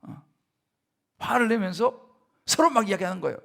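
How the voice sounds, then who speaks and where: A middle-aged senior pastor delivers a sermon in a church sanctuary, speaking conversationally and often putting rhetorical questions to the congregation. His high voice is expressive, creaky, and a bit bright, at a normal speed.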